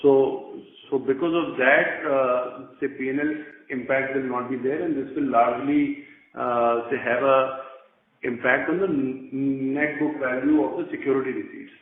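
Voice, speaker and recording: A man with an Indian accent giving deliberate, explanatory answers as an executive on an earnings call, often using "say" as a filler. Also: medium pitch, steady tone. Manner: measured, deliberate, frequent "say" as filler. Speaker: company executive. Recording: roomy, tinny conference phone line.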